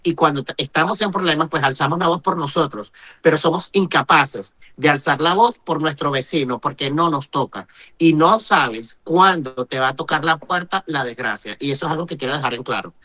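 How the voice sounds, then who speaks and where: Male journalist, interview guest; bright, pressing delivery, asks himself rhetorical questions. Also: a little high, moderate pace. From Venezuela. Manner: emphatic, rhetorical questions, tag questions like "¿vale?". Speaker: journalist and human rights activist, interview guest. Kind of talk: impassioned interview answer.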